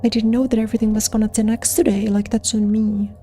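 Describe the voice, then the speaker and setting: A woman talks through a game on stream, her voice strained and on the edge of giving out. She stays laid-back and self-deprecating, leaning on loose filler words. Her tone is dark and mellow, with little rise and fall, and faint game music plays underneath. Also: medium pitch, level tone, fast talker. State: strained, fading voice. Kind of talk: casual gameplay commentary.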